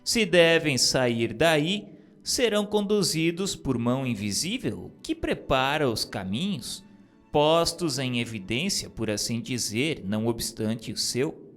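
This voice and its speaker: A man giving a solemn, measured reading of a spiritual text as narrator. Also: faint music behind. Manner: slow, measured, grave delivery with lively pitch swings.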